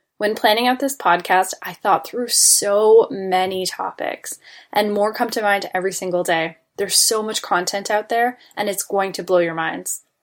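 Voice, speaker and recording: A woman with a Canadian accent and a normal speaking voice, medium in pitch, at a moderate pace with ordinary pitch variation. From Toronto, Ontario, Canada. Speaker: podcast host. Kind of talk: scripted monologue.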